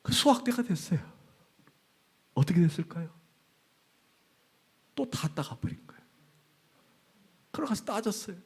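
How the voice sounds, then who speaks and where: Middle-aged guy preaching, kinda husky, tells stories and acts out the lines. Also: high-pitched, measured pace, pauses often. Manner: animated storytelling, acting out quoted dialogue. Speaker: pastor. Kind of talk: sermon.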